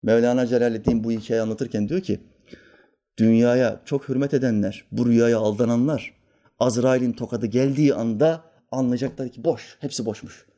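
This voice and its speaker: A male preacher giving a sermon, telling stories in a calm, measured way and acting out characters' lines. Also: mid-range voice. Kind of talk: sermon with storytelling.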